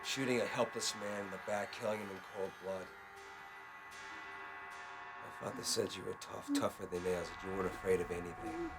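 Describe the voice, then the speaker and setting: A brooding gunman out for revenge in a western film. His low voice is threatening and moves across a very wide range. Clear dramatic music runs behind it. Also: big pitch swings, moderate pace, long pauses. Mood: cold menace. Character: vengeful, cold male gunman avenging his dead father. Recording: dramatic music under the dialogue.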